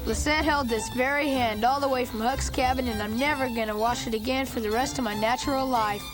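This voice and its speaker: Woman as high-voiced lovesick Southern little boy. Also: brisk, close to an everyday voice, low-quality recording. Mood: dreamy. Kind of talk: animated cartoon dialogue. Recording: music behind the voice.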